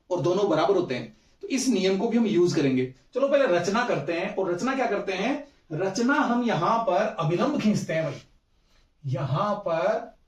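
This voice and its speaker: High-voiced teacher in an echoey room. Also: male voice, recorded from a distance. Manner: explains step by step, asks "समझ में आई बात?". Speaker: maths teacher. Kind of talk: blackboard maths lesson.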